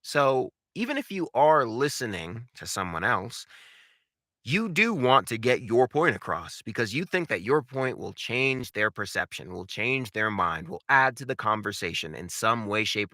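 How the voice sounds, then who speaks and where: A man's voice: lowish voice, sing-song, normal speed, pushed and bright, dry recording, clean studio sound. A man giving an instructional talk as a voice acting coach, emphatic and theatrical, repeating key words, with informal conversational asides. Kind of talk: instructional talk with numbered tips.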